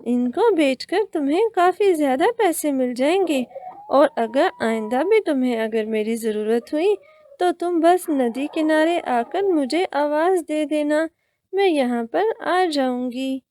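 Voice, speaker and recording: A woman voicing a kind but proud young mermaid in a cartoon story, speaking gently and then indignantly. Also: high voice, pitched above the performer's own voice, lightly acted.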